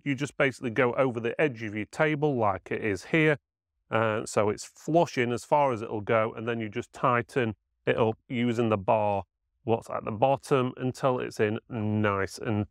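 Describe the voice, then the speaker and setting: A man's voice: mid-range voice, dry recording. Man, dry close sound. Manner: informal, matter-of-fact. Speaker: product reviewer. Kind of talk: hands-on product demonstration, casual explaining.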